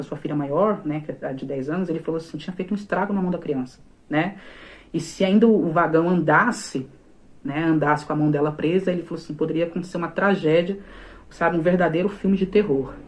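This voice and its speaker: A Brazilian woman in her thirties tells a personal faith testimony in a low, mellow voice. She tells it with feeling and keeps turning to her listeners as she goes. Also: quick pace. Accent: Brazilian Portuguese. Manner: emotional storytelling, often calls on listeners directly. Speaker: speaker giving a personal testimony.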